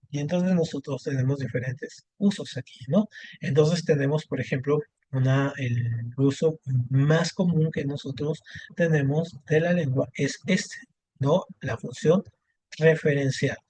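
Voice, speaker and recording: A man's voice: a little high, a little mellow, no room sound. A man gives an online language lesson. He explains step by step and keeps checking in with "¿no?" and "este". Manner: explanatory, frequent "¿no?" and "este" fillers. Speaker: Spanish language teacher. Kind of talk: online class lecture.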